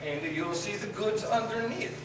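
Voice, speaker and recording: A man playing a brash, shady Russian gypsy carnival magician, with a Russian accent and deadpan, mock-formal broken English, doing vaudeville comedy patter on stage. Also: high-pitched, moderate pace, natural voice. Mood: sly showman. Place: large theater stage. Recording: echoey theater, distant mic, noisy.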